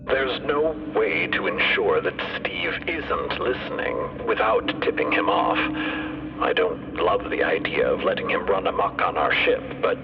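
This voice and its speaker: An actor playing a polite, cautious crew member who deliberates carefully and formally in an audio drama. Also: male voice, sits low, noisy background, full character voice. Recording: dull, narrow sound under music. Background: music.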